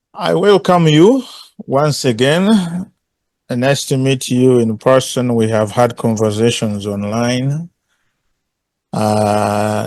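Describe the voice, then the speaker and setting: Slow-talking man, dry close sound. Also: medium pitch, darkish tone, no room sound. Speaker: interviewer, host. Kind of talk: conversational interview.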